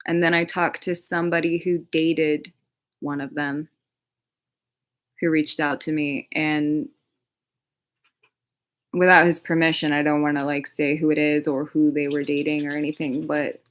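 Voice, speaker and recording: Woman, true crime streamer, casual livestream chat, rambling, filler-heavy, slightly low pitch. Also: little pitch movement, unhurried, pauses often. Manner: rambling, frequent filler words and casual swearing.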